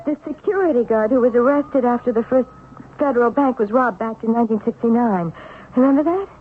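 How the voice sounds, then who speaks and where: A woman's voice: a little high, a little fast, lightly acted. An actress in a 1970s radio drama playing an anxious wife, earnest and reassuring with her injured husband. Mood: worried. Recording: narrow-band old radio recording, faint noise.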